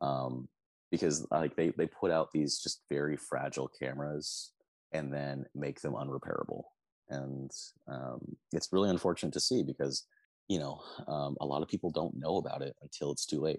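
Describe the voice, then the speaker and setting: Intonation stays fairly even, with vocal fry, at a moderate pace. The sound is dry and close, with no echo. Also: man, very deep, low pitch for a man. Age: 20s. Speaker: camera repair technician. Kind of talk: interview. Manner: halting, many fillers and repeats.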